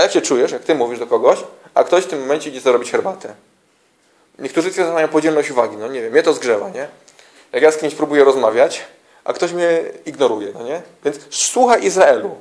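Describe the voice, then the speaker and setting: A man with a somewhat high voice gives a casual talk training church group leaders. He speaks conversationally, restarting his phrases and dropping in slang. He keeps tossing quick tag questions at his listeners to check they are following. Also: darkish tone. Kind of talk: informal teaching talk.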